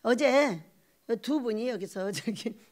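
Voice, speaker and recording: A woman pastor preaching a sermon in an animated way, acting out quoted voices and laughing often. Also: fairly high pitch, takes it slowly.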